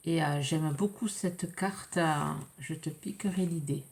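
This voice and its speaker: A French woman with a cold, chatting casually and hesitantly as she opens a mail package, with many pauses and fillers. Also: deep voice, darkish tone, slight background noise. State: congested with a cold. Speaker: scrapbooking vlogger. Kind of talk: casual unboxing chat.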